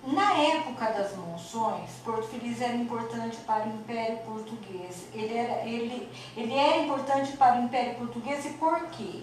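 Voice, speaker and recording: A woman's voice: a little high, moderate pace, few pauses, a little hiss or hum. A woman host from Sorocaba asks a guest questions, often stammering and restarting. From Sorocaba, Brazil. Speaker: program host. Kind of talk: TV interview questions. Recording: echoey room, distant mic.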